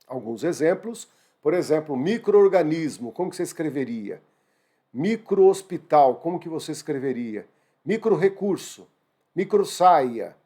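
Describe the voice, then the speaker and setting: Lively Brazilian teacher man. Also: a little high. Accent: Brazilian Portuguese. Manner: lively, exclamatory, addresses students as "gente". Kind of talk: online exam-prep lesson.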